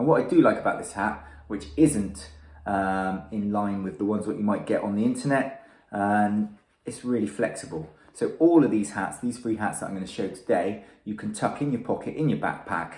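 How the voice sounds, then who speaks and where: Spoken at a moderate pace with lively intonation, this voice has a West Country accent. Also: man, fairly low pitch for a man. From England, Somerset. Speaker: amateur runner reviewing gear. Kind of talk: product review video. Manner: casual, with fillers.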